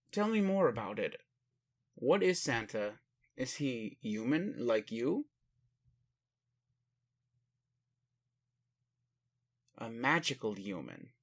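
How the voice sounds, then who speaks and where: A man playing a puzzled, caring alien caretaker in a roleplay audio, speaking formally and haltingly to the listener with literal-minded curiosity. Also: mid-range voice. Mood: curious, yielding. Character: puzzled, caring male alien caretaker aboard his spaceship.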